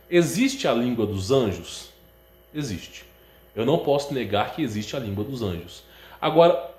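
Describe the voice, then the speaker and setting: A man with a Brazilian Portuguese accent hosts a channel and answers viewer questions in a casual, rambling way, often stopping to check with a quick "tá?". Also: mid-range voice, mellow, reverberant. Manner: rambling, restarts words, ends phrases with a checking "tá?". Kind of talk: casual religious talk.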